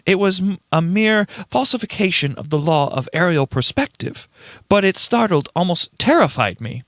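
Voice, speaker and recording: A man's voice: high-pitched, very animated, normal speed, fairly bright tone, dry recording, clean studio sound. A man playing an earnest, unnerved young writer giving testimony in a radio play, in formal old-fashioned language with stumbles over words. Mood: uneasy, awed. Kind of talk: dramatic radio play reading.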